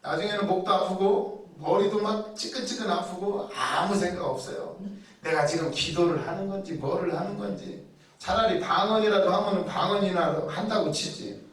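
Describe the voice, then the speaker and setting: A man's voice: high-pitched, moderate pace, fairly bright tone. A man preaching a sermon in a chatty way, asking rhetorical questions and acting out people's inner thoughts. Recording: very echoey room, heard from a distance.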